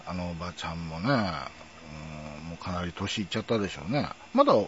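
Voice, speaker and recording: A man's voice: deep voice, animated, fairly quick, a little hiss or hum. A middle-aged man with a Kansai accent, reminiscing in a rambling casual monologue with chuckling asides. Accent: Kansai Japanese. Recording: dull lo-fi recording.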